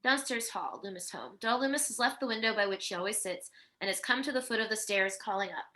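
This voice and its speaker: Casting: female narrator for script directions, mid-range, crisp bright tone. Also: mid-range voice, quick pace. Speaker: stage directions reader.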